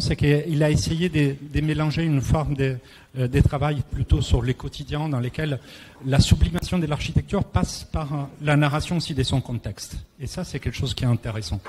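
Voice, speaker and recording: A man's voice: fairly high pitch, moderate pace. A man with an Italian accent, a native Italian speaker, giving a semi-prepared talk and often searching for words. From Italy. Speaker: round table speaker. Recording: echoey hall, clear background noise.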